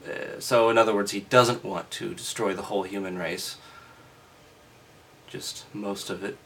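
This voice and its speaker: A man's voice: on the low side, fairly even intonation, measured pace, a bit bright, slight background noise. Skeptical man reading aloud with wry asides. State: just woke up. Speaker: host reading aloud and commenting. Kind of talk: casual read-aloud with offhand commentary.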